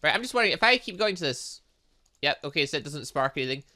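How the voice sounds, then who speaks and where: Lively, bright-voiced man rambling over a game. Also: on the high side, fast. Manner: rambling, thinking aloud, muttering filler sounds. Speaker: gaming channel host. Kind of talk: casual let's play commentary on a visual novel game.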